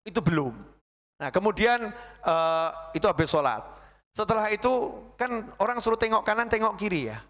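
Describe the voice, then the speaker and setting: A man preaching a sermon, murmuring softly as he acts out prayers and rising to emphatic bursts. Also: high-pitched, animated, normal speed, long pauses. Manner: drops to hushed murmurs acting out prayers, rises to emphatic shouts. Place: mosque hall. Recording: long hall reverb.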